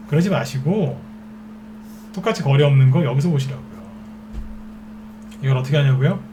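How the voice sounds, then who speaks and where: A man's voice: on the high side, warm tone, slight background noise. A man giving a stock trading lecture as a market expert, who keeps asking rhetorical questions and answering them himself. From Seoul capital region.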